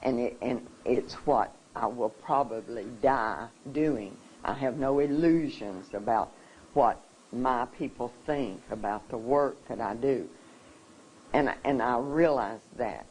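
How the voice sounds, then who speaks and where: A seminar speaker talks to the audience in a slow, deliberate way, with many pauses and restarts. The delivery is emotional and halting. A faint hum of room ambience sits behind the voice. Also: medium pitch, darkish tone, poor audio. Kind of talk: personal talk to an audience.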